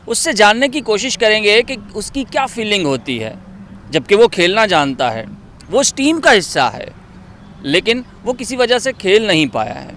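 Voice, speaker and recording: A man with a Pakistani accent presenting in a theatrical, emphatic and deliberate way, like a dramatic poetry reader. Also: high voice, a bit bright.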